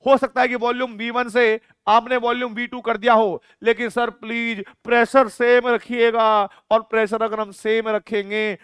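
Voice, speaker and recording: A man teaching a physics lecture for exam students, playfully asking questions and answering them himself, dictating definitions slowly and swinging between loud calls and soft asides. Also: very high-pitched, flat delivery, clear, resonant tone, dry recording, studio quality.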